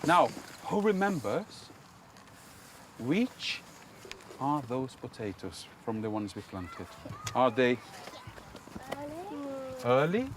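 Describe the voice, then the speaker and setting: A man, a teacher giving an animated outdoor lesson to children. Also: mid-range voice, slow, pauses often, background noise. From Brazil. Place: outdoors on a school field.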